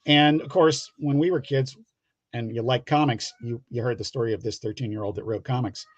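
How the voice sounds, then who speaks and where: A man tells stories in a casual, meandering way, often halting as he goes. His voice sits at an average pitch. The sound is somewhat dull and lo-fi. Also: steady tone. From United States, Pittsburgh area. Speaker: guest comic book creator. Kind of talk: casual anecdotal chat. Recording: dull lo-fi, roomy call audio.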